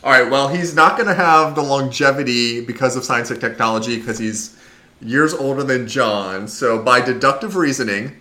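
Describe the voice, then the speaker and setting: A man in his forties with a bright, forceful voice, joking around on a podcast. He talks in a playful, expressive, teasing way. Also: medium pitch, normal speed. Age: 40s. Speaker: podcast co-host. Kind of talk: casual podcast chat.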